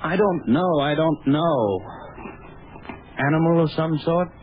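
A man's voice: on the high side, slow pace. An actor playing a brusque man who turns anguished and breathless with horror and grief, in 1940s radio acting. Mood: tense. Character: gruff, impatient man driven to horror and grief. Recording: scratchy tinny old radio broadcast.

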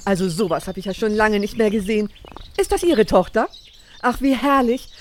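A woman's voice: mid-range voice, expressive, moderate pace, a little mellow, slight background noise, lightly acted. A woman playing a chatty, intrusive elderly lady in a radio drama, gushing in an old-fashioned way. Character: chatty nosy elderly woman on a park bench.

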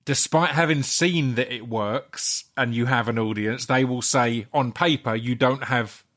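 A man's voice: mid-range voice, measured pace, a bit bright. A man who hosts a podcast and asks questions casually, often restarting his sentences. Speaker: podcast host. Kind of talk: casual interview.

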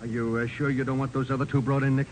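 An actor playing a plain-spoken police officer, colloquial and questioning, in a 1940s radio crime drama. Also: male voice, medium pitch, level tone, quick pace, natural voice. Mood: inquiring. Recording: faintly noisy old 1940s radio recording.

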